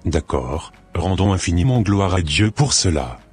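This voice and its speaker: A devout Christian man in a cartoon , played by a male actor, speaks with a deep, rough-edged voice. The delivery is scripted, solemn and earnest, with soft music underneath. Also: lively intonation, measured pace, heavily acted. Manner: formal, solemn prayer delivery.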